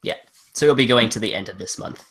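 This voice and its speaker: A man guesting on a casual live-stream book chat, enthusiastic and quick to agree, with frequent laughs. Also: fairly low pitch, a bit bright. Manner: enthusiastic, keeps saying it'd be amazing. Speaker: guest booktuber.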